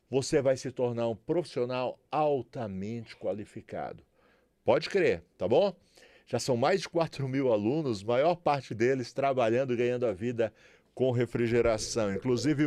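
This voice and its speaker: Chatty Brazilian instructor, dry close sound. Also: male voice, medium pitch, darkish tone, no echo. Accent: Brazilian Portuguese, São Paulo. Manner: chatty, promotional, repeats tags like "certo?" and "beleza?". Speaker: refrigeration instructor. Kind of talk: casual tutorial talk to viewers.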